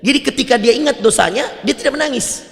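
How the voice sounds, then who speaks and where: Makassar-accented guy preaching in a mosque, lively funny stories, arabic quotes, big reverby hall. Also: very high voice, quick pace, gravelly. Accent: Makassar Indonesian. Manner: lively storytelling with humor, quoting Arabic. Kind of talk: mosque study sermon.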